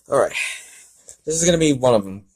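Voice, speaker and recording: A man doing an amateur read-aloud of a story with casual side comments, in a halting way that stumbles over words. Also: mid-range voice, expressive, darkish tone, rough recording. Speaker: fan fiction reader and commentator.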